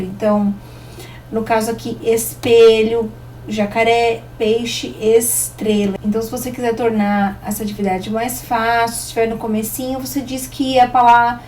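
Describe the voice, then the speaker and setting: Woman teacher, somewhat high voice, patient explainer; slightly distant mic, faint hum. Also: fairly even intonation, mellow. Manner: explanatory, slows to sound out example words. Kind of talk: recorded online lesson.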